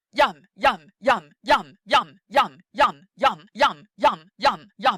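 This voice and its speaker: A put-on character voice comes through raised and projected, with a playful tone. The delivery is very slow. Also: man, extremely high pitch for a man. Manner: playful, repeated yum sounds.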